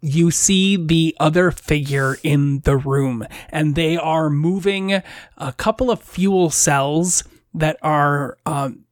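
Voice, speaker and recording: A game master narrating a streamed tabletop game, descriptive and playful with quick asides. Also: medium pitch, no room sound, studio quality.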